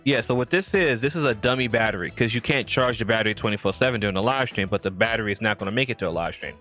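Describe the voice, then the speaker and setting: A man's voice: lowish voice, very fast, pushed and bright, soft background music. A man hosting a late-night live stream, chatting loosely about his streaming gear and answering viewers from the chat. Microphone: streaming mic with audio filters.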